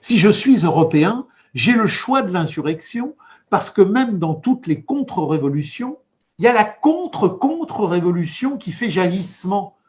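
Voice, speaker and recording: A man's voice: high-pitched, very animated, normal speed, darkish tone. A man delivering an impassioned political monologue, emphatic and rhetorical, repeating key phrases and packing his talk with dense theoretical vocabulary. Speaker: political commentator.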